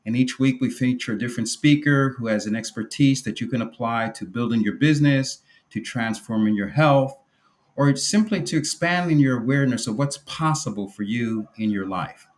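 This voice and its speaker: A man hosting an interview podcast, introducing his guest in a measured, formal way. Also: medium pitch. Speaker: podcast host.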